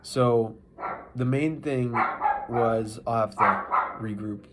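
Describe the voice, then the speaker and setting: A man giving a casual, unscripted vlog recap, speaking in a halting, rambling way with mid-thought restarts. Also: mid-range voice. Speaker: vlogger. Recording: noisy ambient background.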